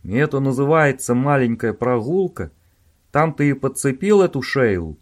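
A man voicing an angry schemer who shouts at his bungling accomplice, harsh and loud. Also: medium pitch, animated, moderate pace, voice pushed up, natural voice. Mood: furious.

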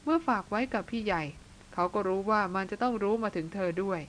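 A woman reads a bearded older brother in a spoken storybook. He talks bluntly and plainly and likes to tease, though he cares deeply. The pitch sits in an ordinary middle range. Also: quick pace, slight background noise, lightly acted. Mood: teasing. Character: teasing bearded older brother, blunt but tender man.

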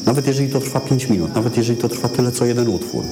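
A man's voice: mid-range voice, expressive, background noise. A man from Poland, a musician giving a reflective interview in a hesitant, thoughtful way, often restarting his words. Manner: hesitant, halting, thoughtful delivery with repeated word starts. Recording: long reverb, clear music behind.

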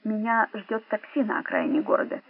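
A woman voicing a calm, cold-blooded male secret agent who speaks quietly and with mockery, in an audiobook. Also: high voice. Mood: cool. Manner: quiet, measured, mocking. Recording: narrow phone-like band.

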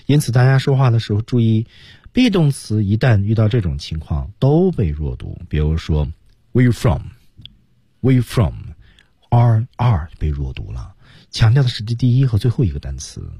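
A man's voice: fairly low pitch, very animated, brisk, dark tone, husky, no echo, studio quality. A man teaching English pronunciation on a radio lesson, modelling phrases and chatting with his co-host.

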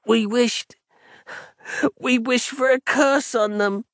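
A man's voice: very high voice, steady tone, slow pace, a bit bright, no room sound, clean studio sound, voice pushed up, heavily acted. A man voicing a tearful, wailing young boy in an audiobook. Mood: despairing.

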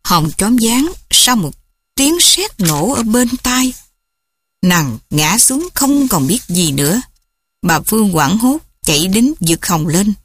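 A woman narrating an audiobook with dramatic, expressive storytelling. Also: mid-range voice, no room sound. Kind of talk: audiobook narration of a romance novel.

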